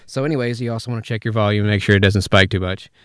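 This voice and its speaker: A man with a fairly low voice teaches voice acting. He talks in a casual, conversational way, as in an informal tutorial. The recording is close and dry. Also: racing, a bit bright, dry recording. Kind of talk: informal instructional talk with vocal demonstrations. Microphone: close studio microphone, spoken slightly to the side.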